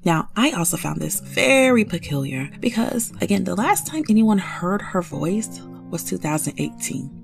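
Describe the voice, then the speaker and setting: A woman's voice: fairly low pitch, very animated, moderate pace, vocal fry, few pauses, soft background music. A woman hosting a true-crime podcast, talking through a case in a conversational way, thinking aloud with frequent asides. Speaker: podcast host.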